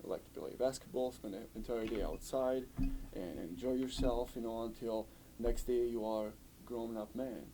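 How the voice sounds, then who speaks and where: A man's voice: medium pitch, normal speed, background noise. A man from Yugoslavia, recounting his story in an interview, talking fluently and saying "you know" often. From former Yugoslavia. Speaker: refugee interviewee. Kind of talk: recorded interview testimony.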